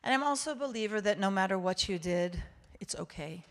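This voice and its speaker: A woman's voice: medium pitch, expressive, a little fast. A woman who is a native Hebrew speaker, giving a heartfelt, emphatic inspirational address to a congregation as a guest speaker, repeating phrases for effect. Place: speaking live to a synagogue congregation.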